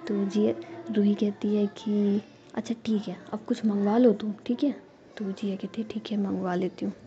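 Woman storyteller, soft whispered delivery, very dark tone, muffled lo-fi sound. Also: mid-range voice, level tone. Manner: soft unvoiced whisper, acting out quick dialogue. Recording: dull lo-fi sound.

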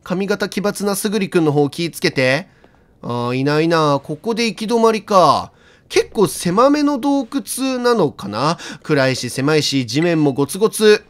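A man's voice: a little high, sing-song, measured pace. A man playing a video game and commentating casually, reading in-game dialogue aloud and chatting to viewers with frequent laughs. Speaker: let's play streamer. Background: faint game music.

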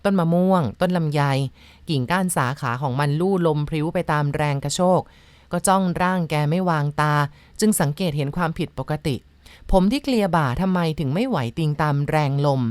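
Low-voiced woman telling ghost stories. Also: a little mellow, dry recording. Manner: measured, dramatic storytelling with polite particles. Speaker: storyteller host. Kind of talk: ghost story narration.

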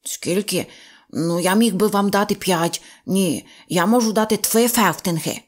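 A woman's voice: mid-range voice, unhurried, close to an everyday voice. A woman voicing a stingy old rich man who lisps, swapping r for f, and whines and grumbles while haggling. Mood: grumbling. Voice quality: lisping, says f instead of r. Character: stingy rich old male shorty, whiny and stubborn.

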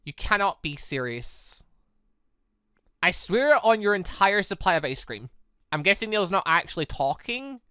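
A man reading a visual novel aloud with chatty, excitable commentary, jumping up in pitch when surprised, on a close desk mic. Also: a little slow, smooth, dry recording. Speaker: gaming YouTuber.

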